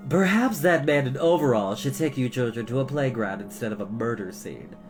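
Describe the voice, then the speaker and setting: A man's voice: medium pitch, animated, fairly quick, over music, lightly acted. A man voicing a stern, condescending adult policewoman who speaks firmly and dismissively. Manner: firm, dismissive.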